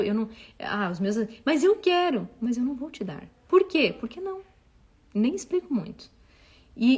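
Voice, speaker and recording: A woman giving parenting advice to an audience in a casual, expressive talk. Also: medium pitch. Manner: expressive, acts out dialogue with children. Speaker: parenting advice speaker and mother.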